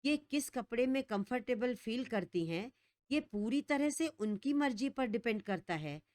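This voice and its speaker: A woman's voice: fairly high pitch, lively intonation, unhurried, no room sound, studio quality. A woman voicing an arrogant, protective young husband who speaks curtly and sternly. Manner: curt and stern.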